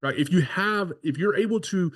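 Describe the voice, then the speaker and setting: A man's voice: high-pitched, moderate pace. Conversational male horse trainer. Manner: conversational, keeps asking "right?"; frequent restarts and filler. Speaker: horse trainer and podcast host. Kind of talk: casual instructional talk.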